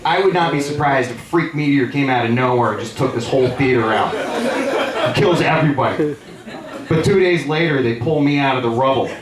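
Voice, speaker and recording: A man performing a stand-up comedy set on a theater stage, telling stories with animated delivery and jumping into high squeals for the people he quotes. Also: brisk. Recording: roomy, distant live theater recording with crowd laughter. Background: audience laughter.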